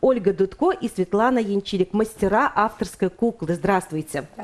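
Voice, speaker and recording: A woman at a moderate pace. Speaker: TV show co-host. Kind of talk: TV talk show. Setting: studio. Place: studio.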